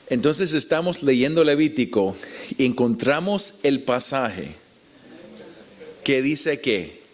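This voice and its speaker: A man with a Puerto Rican Spanish accent teaching the Bible to an audience in a deliberate, explanatory way with rhetorical questions. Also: medium pitch. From Puerto Rico. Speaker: preacher teaching at a conference.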